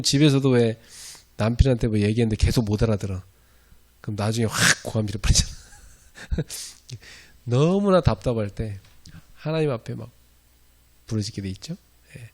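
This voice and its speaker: A middle-aged male pastor preaching a sermon in a lively, conversational way, laughing often and breaking into loud shouted prayers. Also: medium pitch.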